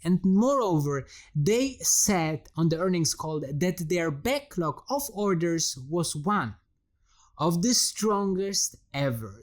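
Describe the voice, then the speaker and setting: A host with gives enthusiastic, conversational stock investing commentary, addressing viewers directly and emphatically. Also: medium pitch.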